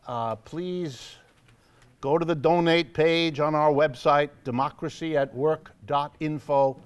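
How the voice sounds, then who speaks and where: A man hosting a live event in a church hall, making announcements to the audience in a measured, wry way with frequent pauses and fillers. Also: fairly high pitch, steady tone, clean tone. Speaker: host of a monthly lecture event.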